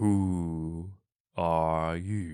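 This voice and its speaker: A put-on character voice from a man, very deep and low, in a flat monotone. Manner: slow, sleepy.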